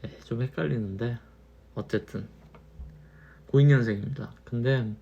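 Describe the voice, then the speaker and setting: A man in his thirties, a little tipsy from wine, musing slowly in a casual monologue and repeating his phrases. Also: mid-range voice, gravelly, warm tone, slightly rough, dull audio. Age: 30s. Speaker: channel host.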